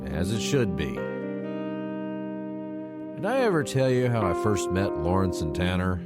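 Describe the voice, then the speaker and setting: Deep-voiced, stoic male survivor over guitar. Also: big pitch swings, unhurried. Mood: nostalgic, steady. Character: stoic, nostalgic male military survivor stranded on a desert planet. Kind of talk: audio drama acting.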